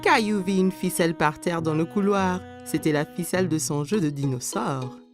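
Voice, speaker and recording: A woman with a slightly low voice narrates a children's cartoon as a scripted tale. Light music plays beneath her storytelling. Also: normal speed. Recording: music under the voice.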